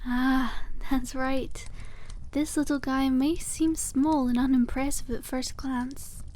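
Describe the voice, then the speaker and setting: Cute young witch shopkeeper, played by a woman for ASMR roleplay: high, soft mellow tone, unhurried, whimsical and genteel, some background noise. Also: level tone. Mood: enthusiastic, informative. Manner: sweet, whimsical, giggly, genteel storybook phrasing. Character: cute, cheerful young witch running a dragon egg shop.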